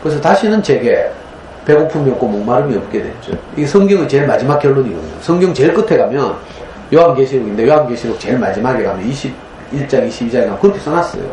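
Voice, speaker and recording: A middle-aged man delivers a parenting lecture in a folksy, storytelling way. His voice sits at an ordinary pitch and fills a roomy lecture hall, with a faint hum underneath. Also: sing-song, fast talker, a little mellow. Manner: folksy, storytelling, frequent tag questions. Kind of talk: conversational lecture. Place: lecture room.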